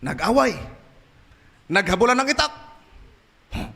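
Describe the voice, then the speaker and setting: A male preacher from the Philippines giving a church sermon, telling stories and building to loud, emphatic peaks. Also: high voice, very animated, a little slow, vocal fry.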